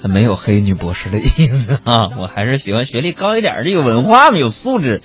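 A man's voice: mid-range voice, expressive, fast, a bit bright, dull audio, soft background music. A male radio comedy host, chatting and reading out listener messages, laughing at his own jokes and acting out the voices.

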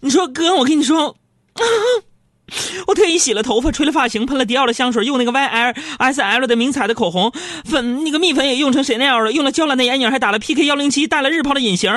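A man voicing an indignant, dramatic young woman coworker who complains in rapid, exasperated lists. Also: extremely high pitch, a bit bright, dry recording, clean studio sound, pitched above the performer's own voice.

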